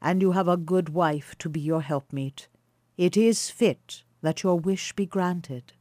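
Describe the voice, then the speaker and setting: A woman voicing a grand, kindly elder male stranger who speaks slowly and solemnly. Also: lowish voice, a little mellow, no echo, natural voice.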